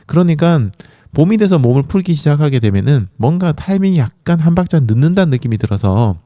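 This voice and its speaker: A man's voice: mid-range voice, mellow, no room sound, clean studio sound. A man hosting a running podcast in a chatty, encouraging monologue, with a sore throat from a coming cold. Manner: encouraging, chatty, many fillers.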